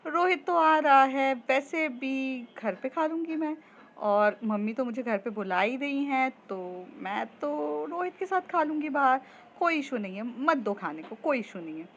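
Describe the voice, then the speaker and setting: A woman's voice: high voice, expressive, a little slow, highs cut off, a little hiss or hum. A woman voicing a young woman student, grieving yet defiant and teasing, in a storytelling podcast. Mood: defensive. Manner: pleading, then defensive and teasing.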